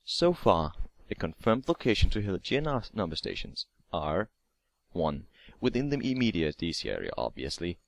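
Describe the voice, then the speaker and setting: A man's voice: deep voice, very animated, moderate pace, gravelly, dry recording, low-quality recording. A man reading a scripted creepypasta story aloud as narrator, now and then stumbling over and repeating words. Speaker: narrator of online horror stories.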